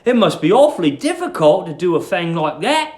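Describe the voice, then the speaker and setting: A man's voice: high voice, big pitch swings, brisk, a little mellow, voice pushed up. A man voicing a naive, polite young lodger who speaks in an earnest, exclaiming way in a storybook reading. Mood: amazed, admiring. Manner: earnest, exclaiming, well-mannered.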